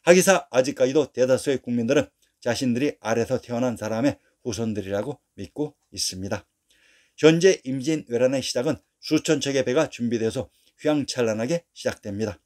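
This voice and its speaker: A man narrating a scripted history lesson in a steady, declarative reading voice, posing rhetorical questions along the way. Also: medium pitch, fairly quick.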